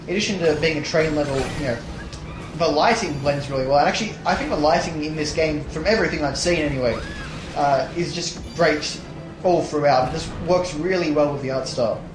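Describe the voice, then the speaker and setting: A young man with a slightly high, tired and hoarse voice talks through his gameplay in a loose, rambling way, full of ums and restarts. His voice bounces around an echoey room, and loud game music plays underneath. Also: a little fast. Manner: rambling, many fillers and restarts. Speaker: let's play host. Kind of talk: casual gameplay commentary.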